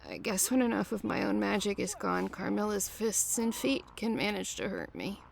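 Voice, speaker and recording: A woman's voice: mid-range voice, lively intonation, normal speed, creaky. A woman playing a battered, drained magical woman who stays grimly determined, in an audio drama. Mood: weary, determined. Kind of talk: scripted audio drama acting.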